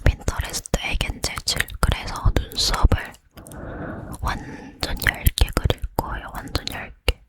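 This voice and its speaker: A hushed whispered role-play of a woman acting a boy-crazy young woman getting ready to go out. She leans in to whisper very slowly and breathily, chatty and determined in an intimate ASMR delivery. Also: natural voice. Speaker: ASMR creator.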